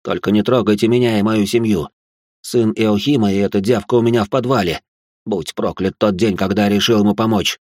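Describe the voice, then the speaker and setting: A man's voice: on the low side, steady tone, brisk, darkish tone, no echo, clean studio sound, close to an everyday voice. A man voicing a frightened, pleading older male jeweler who begs and wails. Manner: begging, wailing.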